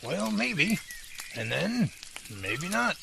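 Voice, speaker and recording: A man acts out a calm, folksy Bigfoot researcher in an amateur drama. His voice is creaky and sits a little high. He speaks in measured, homespun speeches over clearly audible noise. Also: full character voice. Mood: reassuring.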